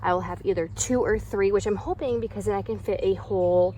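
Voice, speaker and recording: A woman vlogs about gardening outdoors, walking her backyard to show her plants and running short of breath as she works, all shot on a phone camera. Her mid-range voice is mellow and a little fast, with poor audio and a little hiss or hum.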